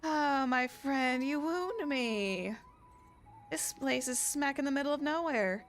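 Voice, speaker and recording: A woman's voice: high-pitched, fairly quick, a little hiss or hum. Woman playing a sly, theatrical merchant girl. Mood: mock wounded. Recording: music behind the voice.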